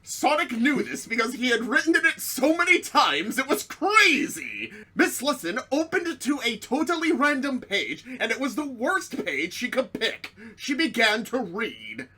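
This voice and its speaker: A young woman reading a silly story aloud in an animated, mock-dramatic way, as a comic co-host. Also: sits high, a little slow, hardly any pauses, slightly rough.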